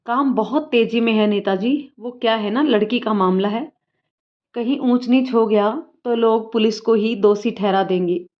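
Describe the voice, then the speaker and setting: A woman's voice: fairly high pitch, normal speed, close to an everyday voice. A woman voicing a sly jovial police inspector. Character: middle-aged male police inspector, sly. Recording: slightly dull lo-fi audio.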